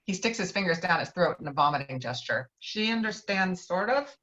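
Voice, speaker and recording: A woman's voice: fairly low pitch, animated, brisk, fairly bright tone, lo-fi sound. A woman reading out stage directions as scripted narration of a screenplay.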